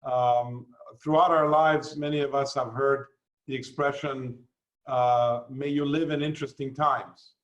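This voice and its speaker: Man giving a formal speech; measured, explains carefully, mid-range voice. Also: medium pitch, steady tone, highs cut off. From Canada and the United States. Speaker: guest speaker. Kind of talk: formal address.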